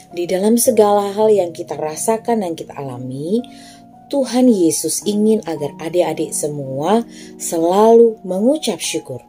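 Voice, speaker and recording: A young woman teaching a Sunday school class, talking straight to the children in a lively, storytelling way. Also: low voice. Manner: lively, addressing children directly.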